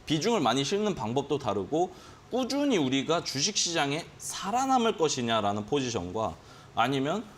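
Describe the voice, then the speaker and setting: A man instructs viewers on short-term stock trading in a studio lesson. His voice sits a bit high and swings widely as he acts out quick inner reactions to price moves. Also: slight background noise. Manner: animated, acts out his own gut reactions with quoted exclamations. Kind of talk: explaining day trading to students on a finance broadcast. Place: broadcast studio.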